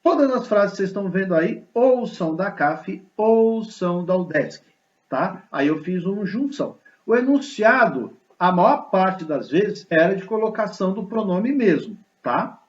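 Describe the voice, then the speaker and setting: A man teaches a grammar lesson, keeping his students engaged with a lively, explanatory style. His voice sits high for a man. The recording sounds a little muffled and lo-fi. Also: measured pace. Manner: lively, explanatory, asks students rhetorical questions. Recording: slightly dull lo-fi recording.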